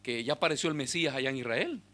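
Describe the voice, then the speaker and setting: A man preaching a sermon as pastor, swinging between loud exhortation and hushed asides to the congregation. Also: mid-range voice, expressive, fast talker. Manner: speaks directly to the congregation with rhetorical questions.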